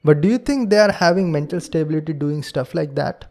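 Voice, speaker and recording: Podcast host, young man, Indian English accent, warm tone, earnest lecturing delivery. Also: on the high side, brisk. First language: Hindi. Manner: earnest, lecturing, acts out quotes in a raised voice. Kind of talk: solo podcast monologue.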